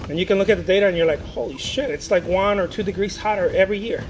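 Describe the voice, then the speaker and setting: A Mexican artist chats casually on a livestream, rambling, restarting often, and reading viewer comments aloud. He talks fast in a high voice, and the audio is poor with noticeable background noise.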